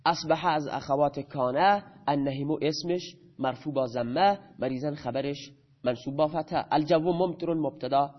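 A man's voice: fairly high pitch, lo-fi sound. Man teaching a grammar lecture. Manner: asks students questions and answers them himself.

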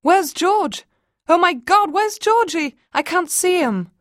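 Exasperated young mother, sharp-tongued, high and strained, read by a woman. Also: animated, unhurried, no echo, clean studio sound. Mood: frantic. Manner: shrill and frantic when arguing.

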